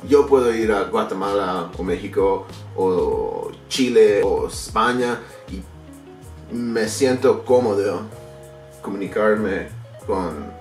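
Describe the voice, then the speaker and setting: A man's voice: fairly low pitch, slow pace, recorded from a distance. A man in his thirties vlogging casually to camera at home, speaking a second language he learned later, searching for words and restarting often. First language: English. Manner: animated, gestures a lot, searches for words and restarts. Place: bedroom or home office, indoors. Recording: echoey room, a bit off-mic, faint music.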